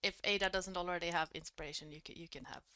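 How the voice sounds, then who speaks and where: A woman with German as her first language, running a tabletop game as game master, talking in halting bursts full of fillers. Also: fairly low pitch, fairly even intonation, pushed and bright, no echo, studio quality. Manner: halting, many fillers, quick laughs. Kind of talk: narrating a tabletop game and chatting.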